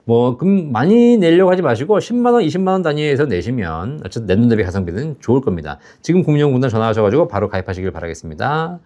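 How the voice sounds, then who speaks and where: A man's voice: medium pitch, sing-song, fast talker, few pauses, dark tone. A man in his fifties hosting a live pension advice stream, reading out viewer questions and answering them in a chatty way, laughing at his own stories and often checking "right?" with the audience. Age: 50s.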